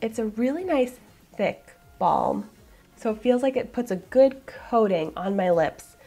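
A woman in her thirties, hoarse from a cold, gushing and candid as she reviews a product to camera in a small room. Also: on the high side, very animated, a little slow, mellow, faint music behind. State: hoarse, getting over a cold. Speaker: beauty vlogger. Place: small room in front of a floral backdrop.

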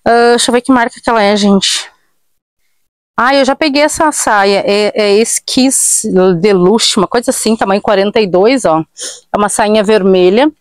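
Shot on a fixed camera at mid distance, this live sales pitch features a woman in her thirties from Brazil presenting and pricing secondhand clothes in her small shop. Her medium-pitched voice moves at a normal speed without echo, and she talks chattily to viewers, using tag questions.

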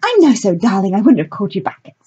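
A woman's voice: mid-range voice, sing-song, quick pace, mellow, husky, muffled recording. A woman voicing a grand, theatrical stage director who calls everyone darling, in a storybook reading.

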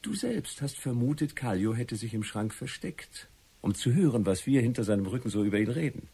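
An actor in a German radio play playing a confident crime writer who explains things deliberately and theatrically. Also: male voice, mid-range voice, expressive, mellow, breathy edge. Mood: assured, explanatory. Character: confident crime writer laying out his theory methodically.

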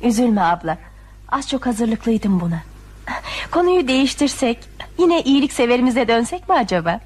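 An actress in an old radio drama, playing a gentle, curious young woman in a hospital bed. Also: fairly high pitch, big pitch swings, normal speed, slightly rough. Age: young adult. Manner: soft and hesitant, eager questions.

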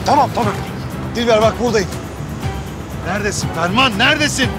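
An urgent pleading doctor. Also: male voice, high voice, fairly quick, music in the background. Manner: urgent, pleading, trying to calm a patient. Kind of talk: Arabic-dubbed hospital drama.

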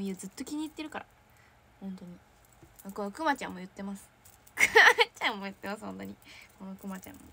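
A woman's voice: fairly high pitch, a bit bright. Bubbly young woman chatting on a livestream. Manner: bubbly, chatty, frequent giggles. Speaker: idol trainee hosting a fan livestream. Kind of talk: casual livestream chat reading viewer comments.

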